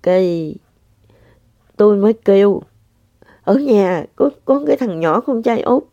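Speaking at a measured pace, an older woman with an expressive, mid-range voice and a dark tone gives an earnest personal spiritual testimony, repeating herself as she addresses her listeners. She's a spiritual practitioner, and the audio is dull and lo-fi with no echo.

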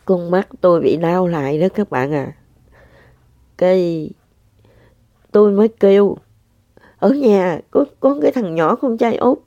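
Older woman, slow halting speech, mellow tone, emotional testimony, dull lo-fi recording. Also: on the low side, no room sound. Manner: emotional, halting, repeats herself. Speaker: religious practitioner sharing testimony. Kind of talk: personal spiritual testimony to listeners. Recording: dull lo-fi sound.

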